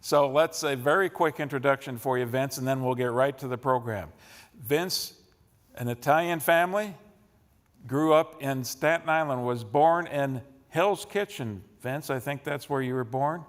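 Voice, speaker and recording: A man's voice: medium pitch, normal speed. A man with an American accent hosting an interview, introducing his guest in semi-formal, unscripted talk. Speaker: interview host. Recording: echoey hall with long reverb.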